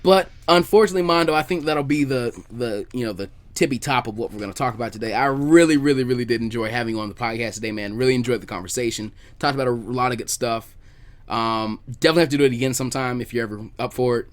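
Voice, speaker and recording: A man's voice: mid-range voice, fast talker. Guy hosting a chatty podcast, informal, leans on words by repeating them. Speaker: podcast host. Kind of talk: casual podcast chat.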